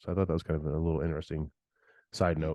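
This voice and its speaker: This is a male voice. It sits very deep and low. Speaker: podcast co-host and army drill sergeant. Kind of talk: casual chat. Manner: fast when angry.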